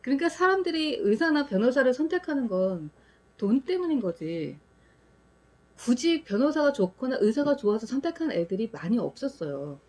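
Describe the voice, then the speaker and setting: A woman's voice: sits high, very animated, normal speed, a little mellow. A woman moderating a casual roundtable discussion, probing the others with questions.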